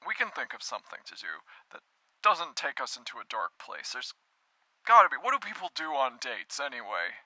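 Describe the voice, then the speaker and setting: A man performs an earnest, naive young man for a cartoon spoof. His voice is strikingly bright and cutting, recorded very dry. He talks in a hesitant, self-pitying, brooding way, as in an everyday conversation. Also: medium pitch, huge pitch swings, fairly quick, no echo, full character voice, low-quality recording.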